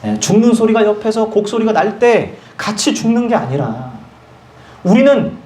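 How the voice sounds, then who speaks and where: A young man preaching a sermon as pastor of a small church, telling stories in a lively preaching manner. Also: high voice, normal speed. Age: young adult. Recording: echoey church room, faint noise.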